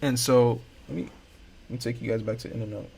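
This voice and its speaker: A man's voice: mid-range voice, fairly even intonation, moderate pace, vocal fry, darkish tone, husky. A young man hosting a casual commentary stream, talking in slang with stammered restarts and hyped asides. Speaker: host.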